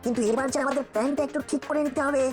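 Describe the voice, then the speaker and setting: A woman's voice: high voice, steady tone, rapid-fire, over music, lightly acted. A woman voicing a clever, mischievous ten-year-old boy in a cartoon, sounding confident. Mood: plotting, confident. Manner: confident, plotting. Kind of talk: cartoon voice acting.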